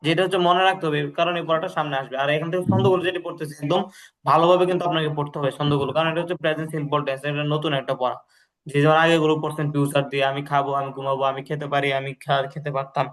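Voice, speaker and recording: A man explains English grammar in a lesson with a flat delivery and a voice that's a little high. He slowly reads English sentences, gives translations, and patiently repeats drills while checking the student's understanding.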